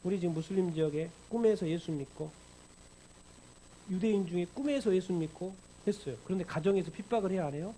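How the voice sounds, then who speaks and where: Middle-aged man, pastor, sermon, rhetorical questions, a bit high-pitched, faint hiss behind. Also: fast talker, poor audio. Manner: rhetorical questions, animated acted-out quotes. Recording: faint background noise.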